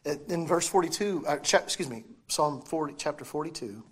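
Man preaching with braces, slightly high voice. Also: lively intonation, a little fast, breathy edge. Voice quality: slightly impeded articulation from wearing dental braces. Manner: repeats key phrases, questions the congregation directly. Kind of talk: sermon.

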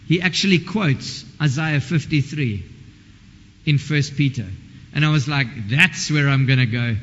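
A man preaching a sermon in a conversational, informal way, often breaking off and restarting his sentences. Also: on the high side. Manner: conversational, self-interrupting and informal. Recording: dull lo-fi sound with long hall reverb.

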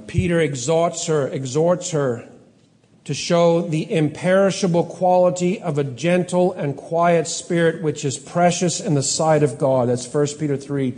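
A middle-aged man from Canada delivers an earnest sermon, slowing down to stress the scripture he reads. His voice sits a little high for a man, with a mellow, soft tone. The recording carries a long reverb from a large hall. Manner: earnest, with slow emphatic scripture reading and self-corrections. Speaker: pastor.

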